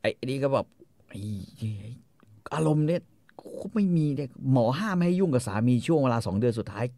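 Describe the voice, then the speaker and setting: A man casually retelling a story, crude and animated, acting out the characters. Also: mid-range voice, fairly quick, dry recording, studio quality.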